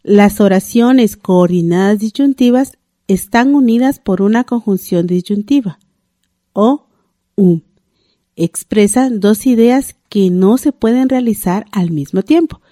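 Clear, deliberate woman teaching a lesson. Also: medium pitch, dark tone, no echo, clean studio sound. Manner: clear, deliberate instructional reading. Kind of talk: educational broadcast lesson.

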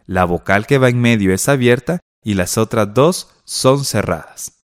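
A man teaching a radio class, reading out exercise instructions and examples in a clear, instructive way. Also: fairly low pitch, measured pace, no room sound, studio quality. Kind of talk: scripted radio lesson.

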